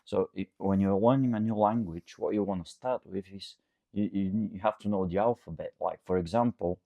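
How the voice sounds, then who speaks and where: A man with a Bulgarian accent and a very deep, gravelly voice, recorded dry and close. He talks off the cuff like a coach hosting a question session, rambling and checking that listeners follow. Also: normal speed, dark tone, dry recording, dull audio. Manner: rambling, checks understanding with frequent "okay?". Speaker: coach and host answering audience questions. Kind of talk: casual unscripted talk to camera.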